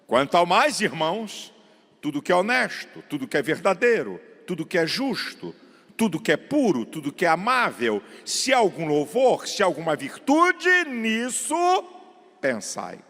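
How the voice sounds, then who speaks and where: High, lively-voiced preaching man in a church. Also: normal speed. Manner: emphatic preaching, swings from shouts to low asides; draws out words for emphasis. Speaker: pastor. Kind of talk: fiery sermon. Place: large church. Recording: long hall reverb in a church.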